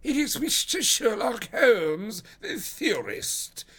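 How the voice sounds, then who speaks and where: A man voicing a stout, self-satisfied police detective in an audiobook, with a husky, muffled wheeze and a pompous, emphatic delivery. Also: very high voice, very animated, slow pace, a bit bright, pitched above the performer's own voice, heavily acted. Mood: pompous, condescending. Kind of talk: audiobook character acting.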